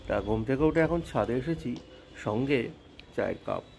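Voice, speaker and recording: A man with a slightly hoarse voice from a cold, chatting casually with his viewers in a home vlog. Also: medium pitch, animated, moderate pace, darkish tone, slight background noise. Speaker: vlogger.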